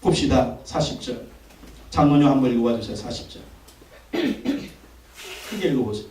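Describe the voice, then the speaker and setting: A man's voice: mid-range voice, normal speed, a little mellow, far from the mic, slight background noise. A male pastor preaching a Sunday sermon with emphasis, repeating his phrases and asking the congregation questions. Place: church sanctuary. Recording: echoey church hall, voice from off-mic.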